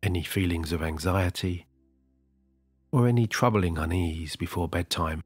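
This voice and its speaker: A man leading a guided sleep hypnosis session, talking softly and slowly with long pauses. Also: deep voice, breathy edge, dry recording. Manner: soft, slow and soothing, with long pauses. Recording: dry close studio voice over soft music.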